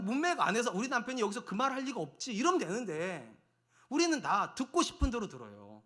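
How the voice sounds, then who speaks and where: Animated, bright-voiced male pastor preaching. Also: extremely high pitch. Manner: animated, acts out quarrels with his wife. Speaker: senior pastor. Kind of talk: sermon. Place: church sanctuary.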